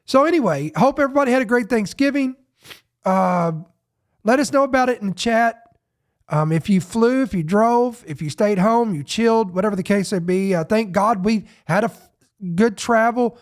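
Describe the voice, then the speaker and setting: A man with a notably high voice hosts a casual news podcast while fighting off a head cold that leaves him sniffly. He rambles off the cuff, stopping and restarting his sentences as he goes. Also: normal speed. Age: adult parent. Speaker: podcast host.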